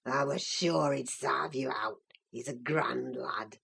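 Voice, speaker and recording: Woman putting on a croaking old Yorkshire servant. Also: very deep voice, takes it slowly, fairly bright tone, pitched below the performer's own voice, full character voice. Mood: gloating. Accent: Yorkshire dialect. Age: older. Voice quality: croaking, whispery. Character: cackling old male farm servant, spiteful.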